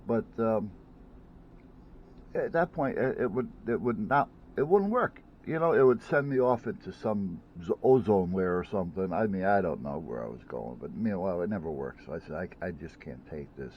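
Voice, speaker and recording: A man's voice: deep voice, animated, normal speed, highs cut off, a little hiss or hum. A man chatting casually at home about a headset he bought, rambling, with many restarts and fillers. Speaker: vlogger reviewing gadgets. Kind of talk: casual unboxing chat.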